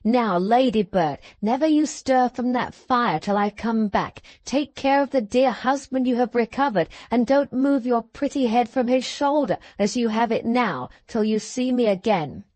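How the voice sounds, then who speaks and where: Woman acting a blunt English servant woman, middle-aged, loyal, fussing, raised pitch, storybook character, dry close sound. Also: unhurried, few pauses, darkish tone, no echo. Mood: fondly bossy. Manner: emphatic, forthright, fussing.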